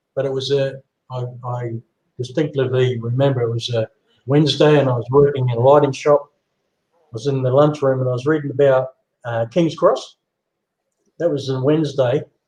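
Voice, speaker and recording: A man with a medium pitch talks in a dark, mellow, somewhat breathy tone with fairly even intonation. His pace is fairly quick, broken by long, frequent pauses. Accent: New Zealand. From New Zealand. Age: 60s. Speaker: knifemaker and workshop teacher. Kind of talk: casual chat.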